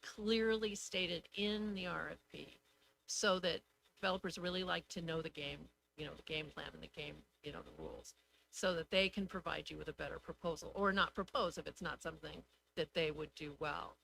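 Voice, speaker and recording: A woman's voice: deep voice, fairly even intonation, moderate pace, creaky, fairly bright tone, a little hiss or hum, low-quality recording. A woman explaining things methodically as an expert adviser at a public meeting. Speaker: housing development consultant.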